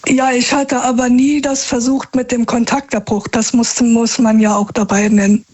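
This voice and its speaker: A woman's voice: on the high side, little pitch movement, moderate pace, a little mellow. A woman calling in to a radio show, answering hesitantly and mostly agreeing in short replies. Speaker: caller. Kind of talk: phone-in conversation. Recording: dull phone-line sound.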